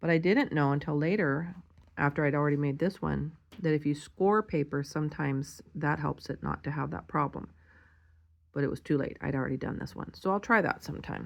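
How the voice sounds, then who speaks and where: Speaking at a fairly quick pace, a woman uses a very deep, low pitch with vocal fry. The background is quiet. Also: ordinary pitch variation. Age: 60s. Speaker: crafting video creator. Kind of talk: casual show-and-tell tutorial. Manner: chatty.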